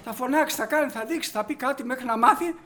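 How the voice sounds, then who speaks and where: High-voiced man preaching with stories. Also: sharp tone. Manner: storytelling, acts out dialogue, rises to emphatic peaks. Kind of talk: sermon with anecdotes.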